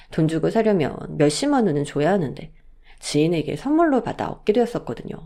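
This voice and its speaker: A woman's voice: medium pitch, mellow. A woman narrating a first-person family story in an aggrieved, confiding way.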